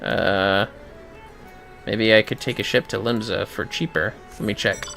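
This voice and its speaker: A man's voice: lowish voice, a little slow, vocal fry, sharp tone, faint music behind. A man chatting casually and bluntly, with swearing, while he plays a game on a livestream. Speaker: livestream gamer. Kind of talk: casual chat while playing an online game.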